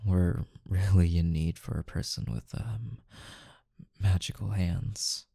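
A man playing a calm, intimidating, teasing mafia boss in an ASMR roleplay, with a menacing yet softly coaxing delivery and deliberate pauses. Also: sits low, gravelly, no echo, studio quality, exaggerated voice.

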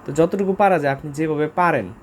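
A man's voice: fairly high pitch, quick pace, a little mellow, a little hiss or hum. A man with a Bangladeshi accent giving a casual vocabulary lesson, talking informally with frequent filler sounds and spelling words out letter by letter. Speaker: English vocabulary teacher.

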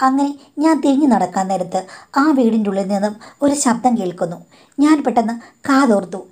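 A woman with a fairly high voice recounts her own family story, confiding and indignant by turns. She speaks directly to a listener she calls madam, in an everyday spoken storytelling style. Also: expressive, a little fast, a little mellow. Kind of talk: personal life story narration.

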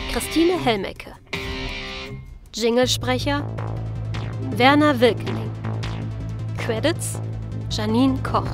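A woman announcer reading scripted credits for a radio play in a measured, list-like way. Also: on the high side.

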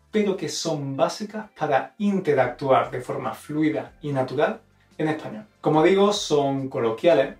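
A man's voice: on the high side, a little mellow, roomy sound, recorded from a distance. A man from Spain with a Spanish accent, explaining expressions in a video lesson and carefully modeling intonation. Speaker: Spanish teacher.

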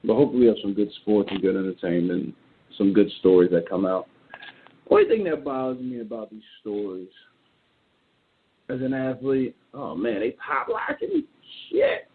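A man's voice: on the low side, expressive, normal speed. Slangy man ranting on a tinny line. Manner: loose, joking, slangy rant. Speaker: talk show host. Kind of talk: casual solo commentary. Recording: tinny phone-like audio.

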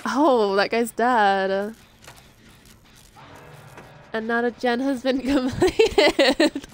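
A woman giving casual gameplay commentary, jumpy and quick to laugh, swearing often. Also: on the high side. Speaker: gamer.

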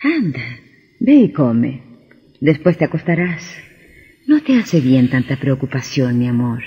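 A man voicing a sly, sweet-talking vampire wife in a radio drama, husky and coaxing. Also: mid-range voice, big pitch swings, a little slow, exaggerated voice. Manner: coaxing, needling. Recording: dull lo-fi audio with long hall reverb.

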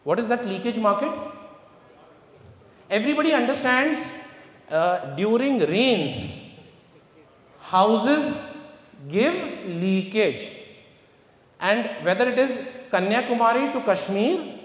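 A man's voice: sits high, lively intonation, takes it slowly, pauses often. A middle-aged man giving an emphatic motivational finance presentation in short repeated phrases and rhetorical questions. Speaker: investment speaker. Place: large auditorium stage. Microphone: handheld microphone through hall sound. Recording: echoey large hall, long reverb.

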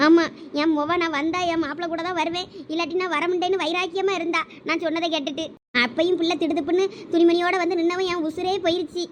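High-pitched, rapid-talking woman. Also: flat delivery, slight background noise. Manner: pleading, emotional family-quarrel delivery. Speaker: skit performer voicing several village women. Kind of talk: village family comedy skit acting.

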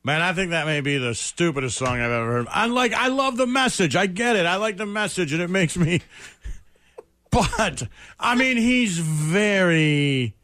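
A man's voice: high-pitched, expressive, measured pace, fairly bright tone. A man co-hosting a radio show, chatting in an amused way and laughing between remarks. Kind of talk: casual comedic radio banter.

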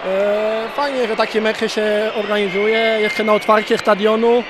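A man in his forties, a former footballer, giving a relaxed outdoor interview with some stammered restarts. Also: sits high, measured pace, over a noisy crowd. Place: outdoors on a stadium pitch. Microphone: handheld reporter microphone. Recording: clear stadium background noise.

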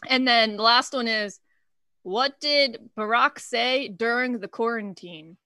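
A woman hosting a comedy show from home over a video call. Her voice is bright and slightly high, and the sound is dry and close. She talks in a giggly, self-deprecating way, with lots of "um"s. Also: takes it slowly, dry recording. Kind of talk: casual comedy show banter.

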